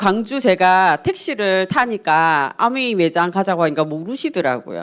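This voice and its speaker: A woman speaks at a medium pitch. Her voice swings very widely up and down. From provincial South Korea, not Seoul. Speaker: direct-selling business leader. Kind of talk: business presentation talk. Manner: casual, conversational.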